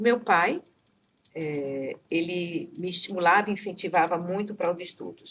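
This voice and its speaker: Using an ordinary speaking voice, a woman talks at a moderate pace with fairly low pitch and ordinary pitch variation. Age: 60s. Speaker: city councillor. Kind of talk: interview.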